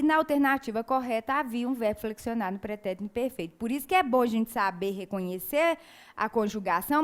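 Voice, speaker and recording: High-voiced Brazilian woman teaching grammar. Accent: Brazilian Portuguese. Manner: explanatory, checks in with tag questions. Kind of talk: exam-prep grammar lesson.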